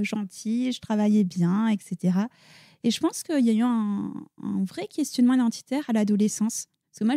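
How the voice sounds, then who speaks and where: A woman's voice: on the high side, dark tone, dry recording, studio quality. A woman in her thirties from France, a clinical psychologist, talking chattily with many fillers as an interview guest in her office. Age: 30s. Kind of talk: casual conversational interview.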